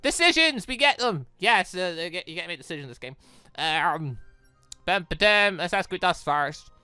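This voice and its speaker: An excitable game streamer doing a let's play, exclaiming and stumbling while reading visual novel text aloud, with off-the-cuff commentary. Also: medium pitch, moderate pace, clean tone, no echo. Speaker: gaming channel host. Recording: music playing under the voice. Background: background music.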